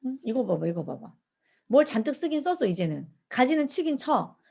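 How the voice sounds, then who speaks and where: A woman's voice: high voice, brisk, vocal fry, husky. A woman teaching mind mapping in an online lecture, asking her audience questions as she goes. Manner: lively, asks the audience questions. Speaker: mind map instructor. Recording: dull lo-fi online class audio.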